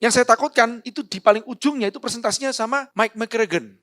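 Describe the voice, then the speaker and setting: A middle-aged man, a speaker with Javanese as his first language, telling a personal story in a lively, animated way. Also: a little fast. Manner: animated storyteller, voices quotes with big pitch jumps. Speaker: motivational speaker. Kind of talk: storytelling talk.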